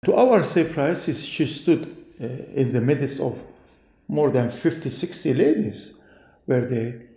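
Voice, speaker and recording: Male interviewee, Middle Eastern accent, non-native English, creaky voice, halting delivery, roomy sound. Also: medium pitch, very animated, mellow. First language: not English. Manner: halting, deliberate phrasing. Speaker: pastor and doctor being interviewed. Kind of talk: interview answers, personal testimony. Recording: echoey room.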